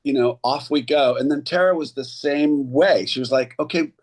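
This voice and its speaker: A man in his sixties, an actor and voice coach, telling animated stories in a casual interview and slipping into others' voices. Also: medium pitch, moderate pace. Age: 60s.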